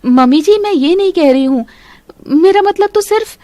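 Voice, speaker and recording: A woman voicing a patient young daughter-in-law in an animated story, talking in a polite, earnest way. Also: extremely high pitch, moderate pace, dry recording, pitched above the performer's own voice.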